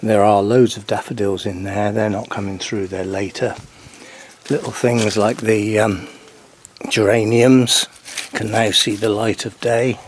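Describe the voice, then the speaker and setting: Slow, low-voiced older man in a garden. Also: little pitch movement, slight background noise. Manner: slow, plain, unhurried explaining with pauses. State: out of breath. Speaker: gardening channel host. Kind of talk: casual garden walk-through. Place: outdoor garden border.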